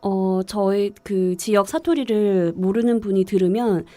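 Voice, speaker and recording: A woman's voice: medium pitch, measured pace, warm tone, no room sound. A woman from the Gyeongsang countryside with a mostly standard Seoul accent, chatting casually and often laughing as she talks. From rural mountainous Gyeongsang, South Korea. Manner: giggly, often laughs while talking. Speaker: radio show guest or co-host. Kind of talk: casual chat, personal anecdotes.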